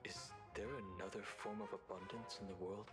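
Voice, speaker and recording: A man playing a watchful, guarded game character with a formal, measured way of speaking. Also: lowish voice, flat delivery, lightly acted. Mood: guarded, probing. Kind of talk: video game voice acting. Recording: clear music behind the voice.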